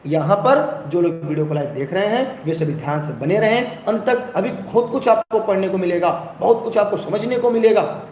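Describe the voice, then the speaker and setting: A man's voice: sits high, expressive, moderate pace, darkish tone. A young man with an eastern Uttar Pradesh Hindi accent teaching a live online exam-prep lesson, who keeps urging viewers to comment and repeats his phrases. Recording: echoey room, faint background noise.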